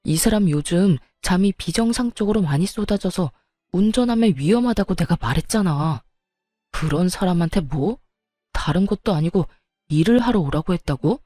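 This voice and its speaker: An angry young husband, voiced by a woman narrator, raising his voice in exasperation, in a warm, fairly low tone. It is a dry, close storytelling recording with faint music under it. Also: dry recording. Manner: shouting, exasperated. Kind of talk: storytelling narration with acted dialogue.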